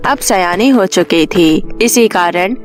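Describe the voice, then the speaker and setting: A woman's voice: lowish voice, expressive, slow pace, soft background music. A woman storyteller giving scripted narration for a cartoon moral story.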